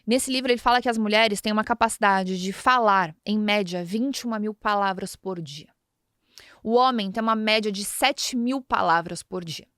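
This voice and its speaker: A woman's voice: medium pitch, moderate pace, a bit bright, smooth, no echo, studio quality. A woman in her thirties with a Brazilian accent, chatting on a podcast and acting out little dialogues as she tells stories. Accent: Brazilian Portuguese. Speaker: podcast guest speaker. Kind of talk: casual podcast talk.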